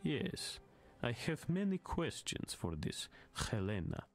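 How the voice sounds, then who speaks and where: An actor voicing a proud tribal hunter and storyteller for a video game, speaking in short, simple, broken English sentences. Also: male voice, medium pitch, very animated, slow pace, soft background music. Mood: curious, approving. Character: boastful tribal spear hunter and storyteller man. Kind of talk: video game character dialogue.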